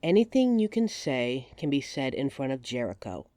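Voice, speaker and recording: A man's voice: mid-range voice, sing-song, normal speed, warm tone, no room sound, studio quality, lightly acted. A man voicing a guarded, blunt werewolf in a scripted audio drama. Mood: wary. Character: guarded werewolf searching for a stolen mate.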